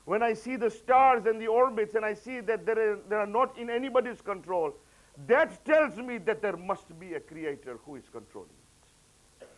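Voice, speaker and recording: A man with a noticeably high-pitched voice delivers a sermon to a gathering. He climbs higher and louder when quoting, then sinks into soft, low asides. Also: expressive, normal speed, rough recording. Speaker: preacher. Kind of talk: religious lecture.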